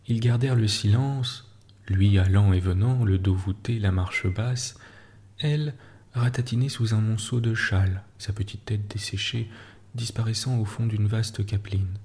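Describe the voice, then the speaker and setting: A man reads a story aloud in a slow, hushed bedtime manner, his voice low and dark. He sits close to the mic and sometimes sinks to a whisper. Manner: slow, hushed, soothing delivery, dropping at times to a whisper. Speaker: narrator. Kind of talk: calm bedtime story reading.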